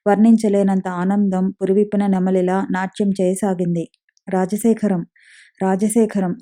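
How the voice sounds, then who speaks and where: Woman, audiobook narrator, calm measured reading, very mellow dark tone, flat even pitch. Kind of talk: scripted story narration.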